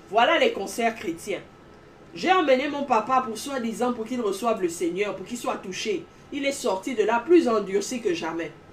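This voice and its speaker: A woman with a fairly high voice speaks at a moderate pace, her pitch swinging very widely. Audible room echo and noticeable background noise surround her. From Gabon. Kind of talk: sermon-style commentary. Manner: animated.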